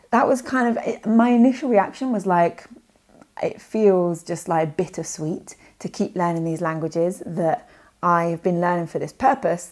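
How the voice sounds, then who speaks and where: A young woman from the United Kingdom talks straight to camera in a loose, rambling way. She fills her sentences with "like" and "kind of" and keeps correcting herself as she goes. Her voice sits a little low for a woman. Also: darkish tone. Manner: chatty and rambling, many fillers and self-corrections. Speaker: language learning vlogger. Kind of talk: casual talking-head vlog.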